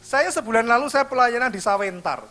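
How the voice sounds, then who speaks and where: Lively high-voiced man preaching. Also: a little fast. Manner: lively, joking with the congregation. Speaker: pastor. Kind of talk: sermon. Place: church hall. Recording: church livestream with music behind.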